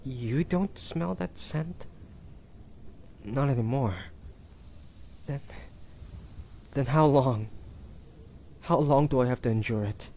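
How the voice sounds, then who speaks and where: Man acting a slow, tormented bloodthirsty demon. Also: medium pitch, mellow, slight background noise. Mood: pained, pleading. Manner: halting, breathy sighs, drawn-out pleading. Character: tormented young man turned bloodthirsty demon, fighting his hunger. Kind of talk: dramatic audio roleplay acting.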